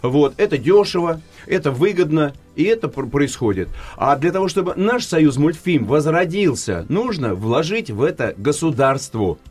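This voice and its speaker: A man's voice: fairly high pitch, big pitch swings, normal speed, a little mellow, slightly rough, soft background music. A man speaking as a guest on a radio talk show, emphatic and rhetorical, posing questions and answering them himself. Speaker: studio guest. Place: radio studio.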